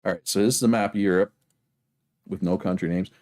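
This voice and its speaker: A man's voice: low voice, fairly even intonation, quick pace, a little mellow. A man with a Prince Edward Island Canadian accent chatting casually to viewers on a game livestream in a rambling way. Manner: rambling, often checks with "right?".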